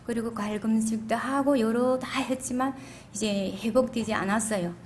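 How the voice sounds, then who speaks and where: A woman's voice: on the high side, normal speed, a little mellow. A woman from China with a Korean-Chinese accent, giving a rambling personal testimony to a group. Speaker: seminar participant introducing herself. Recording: faint background room noise.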